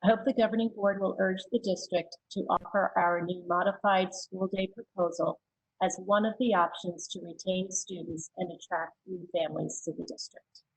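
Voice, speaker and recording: A woman reading written public comments aloud at a school board meeting, steady and plain, with a few hesitant asides. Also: fairly low pitch, moderate pace, husky, rough recording.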